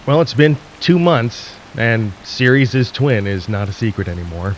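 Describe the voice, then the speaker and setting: Man acting, radio drama host, medium pitch, skeptical, uneasy, wry, conspiratorial, dramatic pauses, faint hiss. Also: close to an everyday voice. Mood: uneasy, ominous. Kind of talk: radio drama broadcast monologue.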